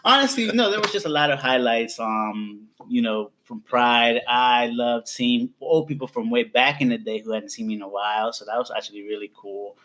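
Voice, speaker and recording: A man's voice: mid-range voice, normal speed, few pauses, fairly bright tone, low-quality recording. A thirty-year-old man co-hosting a casual podcast with friends, upbeat and a little sassy. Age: 30s. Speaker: podcast co-host. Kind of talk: casual chat.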